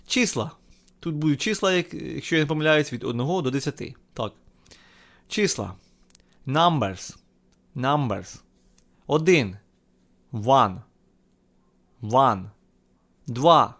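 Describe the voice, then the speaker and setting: Slow, patient Ukrainian man teaching English. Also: mid-range voice, lively intonation, a bit bright. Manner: slow, patient, repeats each word twice. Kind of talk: language lesson, repeat-after-me drill.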